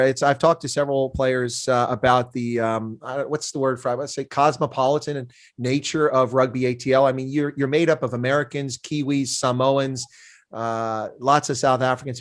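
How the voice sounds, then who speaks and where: A middle-aged man hosting a casual sports interview, asking long, rambling questions. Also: mid-range voice. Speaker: interview host.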